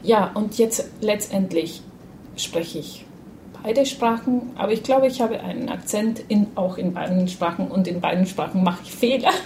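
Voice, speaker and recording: A woman from Uruguay telling her own story off the cuff, hesitant, with many pauses and filler sounds. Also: medium pitch, mellow, slight background noise. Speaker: interviewee. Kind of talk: unscripted personal account.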